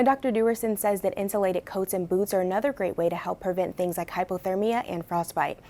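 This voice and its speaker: A woman's voice: lowish voice, dark tone. An American woman working as a TV news reporter, delivering a live report in a polished, emphatic newsreader manner.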